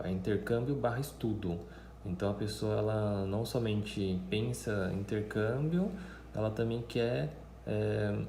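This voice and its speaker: Mandarin-native man, low mellow voice. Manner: chatty, many fillers and tag questions. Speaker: language teacher. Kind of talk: casual vlog talk to viewers. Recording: echoey room, faint background noise.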